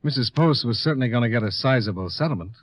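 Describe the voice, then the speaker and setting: An actor playing a wry American insurance investigator in an old radio detective serial, with dry, clipped questioning and narration. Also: male voice, mid-range voice, lively intonation, quick pace, dry recording, close to an everyday voice. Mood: probing, dry. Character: wry, probing male insurance investigator narrating his case. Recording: dull, lo-fi old radio recording.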